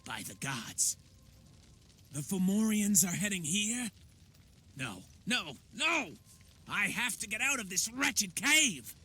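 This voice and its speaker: An agitated male captive warrior in a fantasy game, incredulous and exclamatory. His voice is high and husky, and it swings widely in pitch. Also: sing-song, slow pace, long pauses, sharp tone, full character voice. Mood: alarmed disbelief. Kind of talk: fantasy video game acting.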